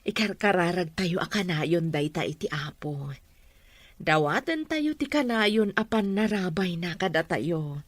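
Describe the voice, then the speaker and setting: A woman with an Ilocano accent playing a gentle, devoted mother who consoles in a sentimental drama style. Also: lowish voice, animated, measured pace, no room sound. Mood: warm, reassuring. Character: gentle, pleading, devoted mother comforting her grown daughter. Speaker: voice actor in an audio drama.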